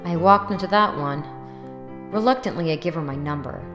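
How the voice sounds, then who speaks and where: Actress doing a tired snarky college girl narrating an audio drama, kinda low voice, dry delivery, music under it. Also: fairly quick, in a large hall, natural voice. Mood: wry, weary. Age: young adult. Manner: dry, sardonic, reluctant. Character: weary, sarcastic 24-year-old woman student and waitress narrating. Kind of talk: first-person audio drama narration and dialogue.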